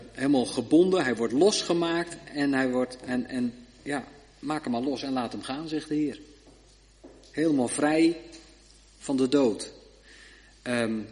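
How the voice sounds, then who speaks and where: A man giving a Bible study sermon, reading scripture aloud slowly and checking in with short tag questions. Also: mid-range voice, darkish tone. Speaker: preacher. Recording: long reverb of a hall.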